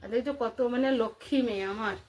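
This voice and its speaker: A middle-aged housewife vlogger with an Indian Bengali accent addresses her viewers casually from home, saying things more than once and asking rhetorical questions. She talks at a quick pace in a voice on the high side, a little mellow.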